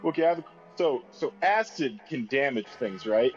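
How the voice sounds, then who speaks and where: A man's voice: mid-range voice, expressive, moderate pace, soft background music. A man playing a tabletop game, chatting casually, asking questions and reasoning aloud. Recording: slightly dull, band-limited sound.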